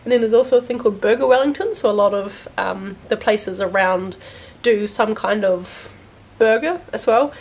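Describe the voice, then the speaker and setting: A woman in her twenties with a New Zealand accent chats casually to camera in a vlog filmed around the rooms of her home on a handheld camera held at arm's length. Her medium-pitched, darkish voice moves at a normal speed, and "like" crops up throughout her talk.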